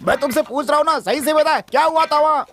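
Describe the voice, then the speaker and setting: An actor doing a volatile middle-aged village chief who bursts into frantic, repeated shouting. His voice runs a little high, with faint music behind it. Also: moderate pace, natural voice. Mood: frantic rage. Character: excitable male village head, quick to rage. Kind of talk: Hindi film acting.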